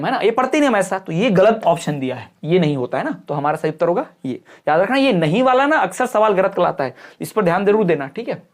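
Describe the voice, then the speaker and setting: A man teaching an online exam-prep lesson, explaining each answer step by step, repeating key terms and checking that listeners follow. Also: sits high. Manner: addresses listeners informally as "brother".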